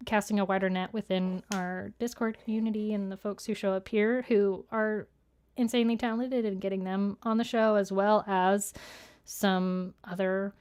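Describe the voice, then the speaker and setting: A woman's voice: mid-range voice, steady tone, normal speed, darkish tone, smooth. A woman co-hosting a casual livestream, chatting through announcements for the audience. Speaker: show co-host.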